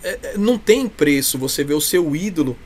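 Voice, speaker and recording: Slight background noise accompanies this interview guest, a clown performer with a Brazilian accent. His a-little-high voice has lively intonation at a moderate pace, and he chats casually and effusively in a small room with a cloth backdrop.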